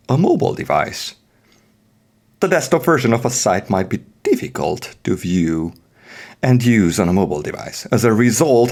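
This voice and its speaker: A man reading scripted text aloud in a deliberate, theatrical way as a podcast guest. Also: low voice, a little mellow.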